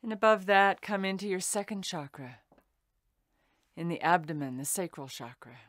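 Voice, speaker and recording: A woman meditation teacher leading a guided meditation in a soothing, deliberate way with pauses between phrases. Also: on the low side, animated, fairly bright tone, no echo, clean studio sound.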